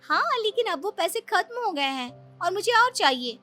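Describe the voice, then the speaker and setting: A woman's voice: sing-song, moderate pace, bright, forceful tone, faint music behind, heavily acted. A woman voicing a pushy, sulky young wife in a Hindi cartoon, pleading and huffy by turns. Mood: demanding. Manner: pleading then huffy, high-strung.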